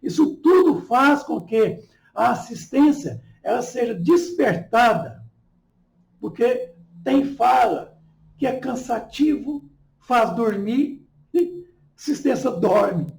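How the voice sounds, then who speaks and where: Male instructor, gravelly and slow, deliberate lecture delivery with frequent check-ins. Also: extremely high pitch, lively intonation, a little mellow, reverberant, poor audio. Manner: slow, deliberate, tag questions like "tá?" and "certo?". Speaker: public speaking teacher. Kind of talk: online lecture.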